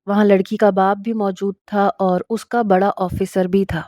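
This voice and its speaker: Fields: Sex: woman. Style: first-person story narration. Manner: steady. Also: medium pitch, no room sound, studio quality.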